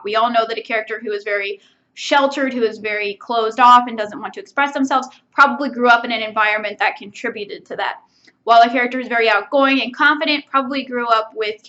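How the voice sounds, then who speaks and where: A woman's voice: a little high, pushed and bright, highs cut off. A woman giving an instructional video lesson as a writing instructor, explaining in an organized, articulate way.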